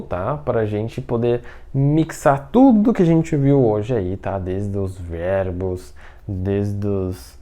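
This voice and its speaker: A man with a mellow, warm voice teaching a relaxed online language lesson. He talks in a chatty way, says words slowly and repeats them, and checks in with tag questions after nearly every phrase. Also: on the low side. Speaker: Mandarin teacher.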